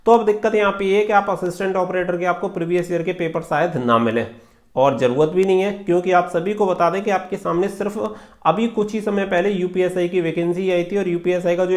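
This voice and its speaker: A man's voice: sits high, brisk. A man giving informal exam guidance as a channel host, explaining and repeating points with English terms mixed in. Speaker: exam preparation coach and YouTube channel host.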